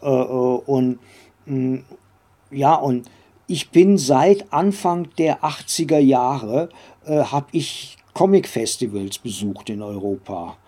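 An older man recounting memories in an interview, speaking haltingly with many drawn-out hesitations and little tag questions. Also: medium pitch, expressive, warm tone. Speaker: interview guest, former comics editor and publisher.

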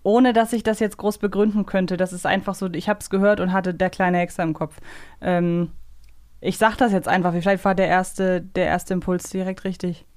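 A woman's voice: lowish voice, fairly even intonation, normal speed, darkish tone. A woman hosting a podcast in casual conversation, playful and teasing as she talks. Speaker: podcast host. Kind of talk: casual chat.

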